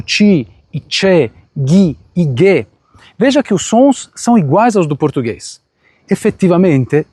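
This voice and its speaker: Guy giving a lesson outside on a phone, kinda high voice, dry sound, slows down to spell stuff out. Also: warm tone, dry recording. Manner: switches between Portuguese and Italian, spells out sounds slowly. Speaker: Italian teacher. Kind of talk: outdoor language lesson. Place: outdoors in a town. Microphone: phone recording.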